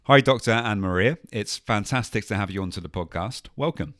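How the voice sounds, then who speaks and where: Low-voiced male podcast host, friendly, hesitant delivery, dry sound. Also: expressive, a little fast, fairly bright tone, no room sound, soft background music. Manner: friendly, many uhs and restarts. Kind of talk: podcast intro and interview.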